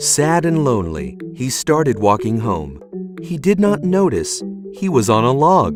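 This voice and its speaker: Music plays in the background as a man speaks at a fairly slow pace. His fairly high voice swings very widely in pitch. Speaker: voice over artist. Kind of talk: children's educational story narration.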